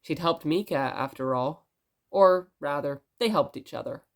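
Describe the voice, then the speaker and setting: A woman playing a presenter who reads stories aloud in expressive narration. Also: low-pitched, measured pace. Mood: measured, tender. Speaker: narrator and host of the show.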